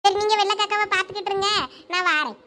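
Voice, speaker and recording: A woman's voice: extremely high pitch, pushed and bright, slight background noise. A woman voicing a chatty, teasing village girl. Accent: Thoothukudi Tamil. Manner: nosy, fast-talking, teasing. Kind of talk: cartoon voice acting.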